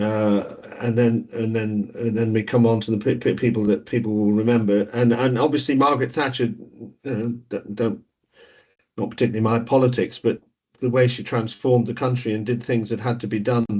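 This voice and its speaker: A man with an English accent talks at a fairly quick pace in a medium pitch. His intonation is monotone and flat. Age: 70s. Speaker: podcast co-host. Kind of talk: casual discussion. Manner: halting, repeats words.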